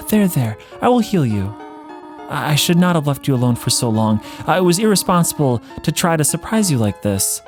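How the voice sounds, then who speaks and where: A man voicing a gentle, doting motherly woman monster from a video game, with a hesitant, fussing, tender manner. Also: fairly high pitch, sing-song, normal speed, faint music behind. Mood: tender, worried. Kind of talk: video game character read-along.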